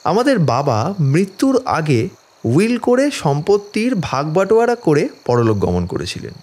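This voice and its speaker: A man's voice: on the high side, wildly swooping pitch, measured pace, a little mellow, full character voice. A man playing a distraught village father in an audio horror story, pleading tearfully and deferentially for his afflicted daughter. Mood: troubled, recounting. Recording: background music under the voice. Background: dramatic music.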